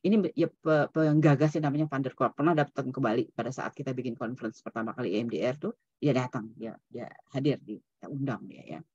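A woman's voice: a bass voice, fast talker, darkish tone, slightly rough, no echo, highs cut off. A woman psychologist giving an online seminar lecture in a loose, conversational way, dropping English terms into her talk and tagging sentences with "gitu ya". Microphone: video call.

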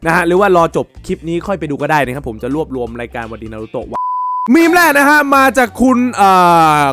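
High, lively-voiced excitable male reactor. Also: fairly quick, music in the background. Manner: loud, crude slang, frequent shouting and laughing. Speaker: YouTube reaction host.

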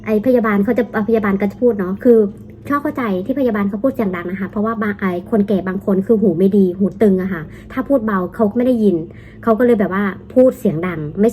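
A woman's voice: medium pitch, dark tone, slight background noise. A young woman from Thailand telling a chatty vlog story, often speaking straight to her viewers and laughing between lines. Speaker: vlogger.

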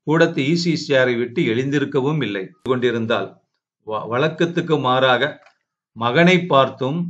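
Brief: male storyteller reading a story with casual asides, mid pitch, muffled lo-fi audio. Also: fairly bright tone. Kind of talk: reading a short story aloud. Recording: dull lo-fi recording.

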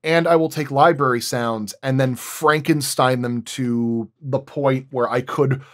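A man talking casually as a guest sound designer on a podcast, explaining in a halting way as he thinks aloud. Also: medium pitch, fairly even intonation.

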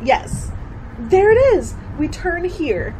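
A woman's voice: very high voice, very animated, slow pace, noisy background, heavily acted. A woman playing a chipper, dismissive, stubbornly optimistic young college student in a radio play. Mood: eager, reassuring.

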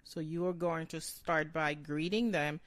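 A woman teaching a bilingual language lesson, explaining and repeating phrases slowly in two languages. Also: sits low, steady tone, no room sound. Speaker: Haitian Creole teacher.

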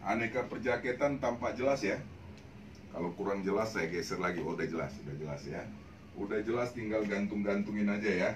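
An older man, chatting upbeat and casual as he sells clothes on a live stream from a small shop. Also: on the low side. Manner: chatty, upbeat, repeats greetings and slang. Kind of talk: casual live-selling chat. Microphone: phone camera across the shop. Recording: echoey shop with loud noise.

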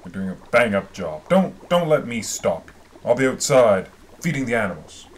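Male actor: stammering, dry, weary man, lively pitch. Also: normal speed, a little hiss or hum, close to an everyday voice. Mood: flustered. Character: flustered weary man, Saint Francis.

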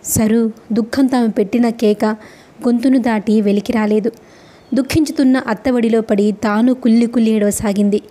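A woman storyteller reading a novel aloud with a measured, expressive delivery. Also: on the high side.

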